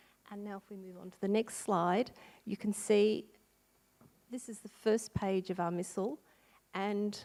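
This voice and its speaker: Here a woman speaks at medium pitch with a dark, mellow tone. Her intonation is monotone and flat. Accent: Australian. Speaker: bookbinder and conservator. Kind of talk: panel discussion.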